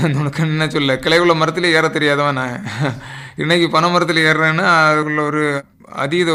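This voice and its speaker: The intonation stays fairly even, while background noise is noticeable. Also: man. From Kanyakumari district, Tamil Nadu. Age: 40s. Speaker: palm tree climber and palm jaggery producer. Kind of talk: radio interview.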